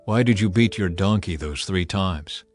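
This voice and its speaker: A man's voice: sits low, normal speed, pitched below the performer's own voice, close to an everyday voice. A man voicing a stern angel with a grave, commanding manner in a dramatized scripture reading. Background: background music.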